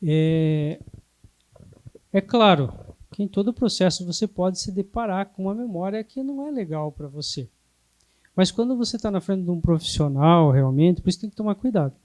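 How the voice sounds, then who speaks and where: A man teaching a hypnotherapy class in a calm, explanatory way. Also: high-pitched, moderate pace. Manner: calm, explanatory, sometimes acts out clients. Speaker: hypnotherapy instructor.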